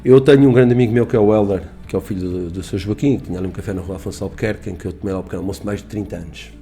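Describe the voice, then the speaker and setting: A man's voice: lowish voice, rapid-fire, warm tone, soft background music. A middle-aged man from Portugal, a business owner telling stories in a rambling, emphatic way on a radio interview. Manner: rambling, emphatic, with restarts and quoted dialogue. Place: radio studio.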